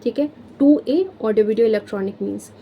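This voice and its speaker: A woman's voice: a little high, a little fast, lo-fi sound, a little hiss or hum. A young Indian woman teaching law, mixing Hindi and English with friendly check-ins as she explains memory tricks. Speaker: law tutor. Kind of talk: exam-prep lesson.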